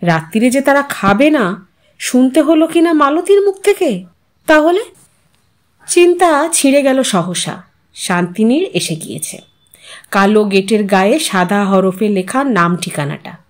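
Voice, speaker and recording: A woman's voice: on the high side, sing-song, unhurried. A woman reading a literary story aloud as a narrator, in a dramatized, musing manner. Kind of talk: expressive scripted story narration.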